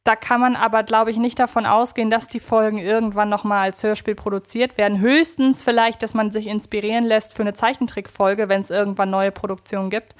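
A woman's voice: medium pitch, fairly even intonation, a little fast, hardly any pauses. A woman co-hosting a podcast, speaking conversationally and reflectively, often qualifying her own opinions. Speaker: podcast co-host.

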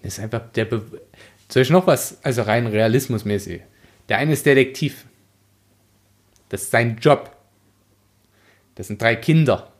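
A man's voice: mid-range voice, moderate pace, long pauses. A man co-hosting a casual book podcast, arguing his points in blunt, slangy language. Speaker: podcast co-host.

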